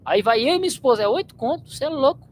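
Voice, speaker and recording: A man's voice: very high-pitched, animated, fast, slight background noise, rough recording. A man from São state, hosting his channel in a blunt, slangy, rambling monologue to viewers. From São Paulo state, Brazil. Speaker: channel host.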